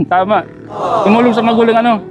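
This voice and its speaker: A fairly high-pitched man talks casually outdoors, kind and encouraging. He keeps checking in with quick, repeated little questions. Music plays clearly underneath the whole recording. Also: steady tone. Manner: encouraging and kindly. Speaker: vlogger handing out gifts. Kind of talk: casual on-the-street chat. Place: outdoors on a sunny street.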